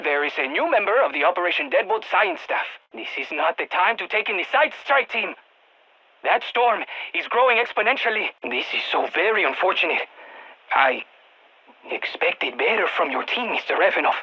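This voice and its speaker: An actor playing an excitable, nerdy male scientist with a Latino Spanish accent, wordy and theatrical, in video game radio lines. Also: high-pitched, moderate pace, husky, muffled recording, full character voice. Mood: exasperated. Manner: theatrical, wordy, swinging between glee and exasperation. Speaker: mission scientist giving radio briefings.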